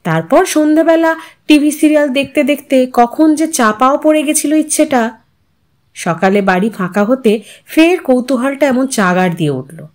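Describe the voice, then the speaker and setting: A woman's voice: high-pitched, expressive, moderate pace, darkish tone. A woman reading a literary story aloud as a narrator, in a dramatized, musing manner. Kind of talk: expressive scripted story narration.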